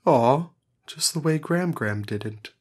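A man's voice: mid-range voice, lively intonation, slow, background noise. Casting: male game player, stammering and giggly, loose banter. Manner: stammering, giggly, self-interrupting. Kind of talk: casual banter at a recording session.

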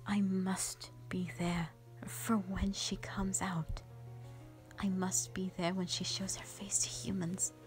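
A woman voicing a gentle, ancient black dragon, a protective and sorrowful elder sister, in a hushed, breathy, halting dramatic monologue. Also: mid-range voice, level tone, faint music behind, lightly acted. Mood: tender, resolute. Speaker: audio roleplay performer. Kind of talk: soft whispered dramatic monologue, ASMR-like.

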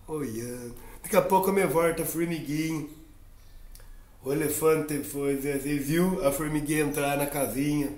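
A man telling a children's fable in a lively, playful way, full of sound effects. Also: on the high side. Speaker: storyteller. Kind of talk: oral storytelling for a class. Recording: roomy echo.

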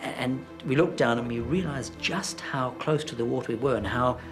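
A man's voice: mid-range voice, normal speed. A middle-aged man, a guitarist, earnestly recounting a personal experience in an interview, with small restarts. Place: indoor room with bookshelves. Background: loud music score.

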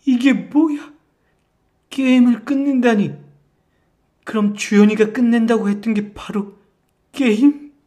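A man's voice: on the high side, fairly even intonation, unhurried, lightly acted. A man playing a paranoid, defensive husband in an audiobook drama, speaking in a tense, accusing way. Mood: bewildered.

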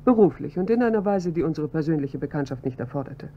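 An actress playing a composed, precise head pharmacist who comes to the police as a witness in a radio drama, speaking in a measured, guarded way. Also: female voice, sits low, animated. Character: composed female head pharmacist, adult woman. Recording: dull, slightly noisy audio with hum.

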